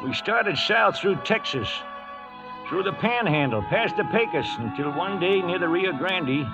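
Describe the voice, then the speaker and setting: A man's voice: high-pitched, lively intonation, unhurried, muffled recording. An American actor playing a folksy, loyal trail cowhand who narrates his tale in rustic cowboy talk in a radio western. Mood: reminiscing. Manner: rustic, drawling cowboy grammar. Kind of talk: 1940s-1950s radio western acting. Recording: old radio recording with music behind.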